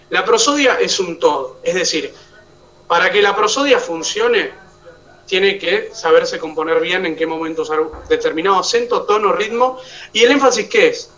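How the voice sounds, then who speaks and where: A man's voice: high voice, fairly bright tone, distant mic, muffled recording. A man with an Argentine accent teaching an oratory class, explaining step by step and checking that his students follow. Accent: Argentine Spanish. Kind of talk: online class lecture.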